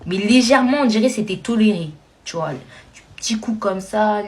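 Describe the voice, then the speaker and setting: Animated slangy woman telling a story. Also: mid-range voice, moderate pace. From France. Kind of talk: casual comic storytelling.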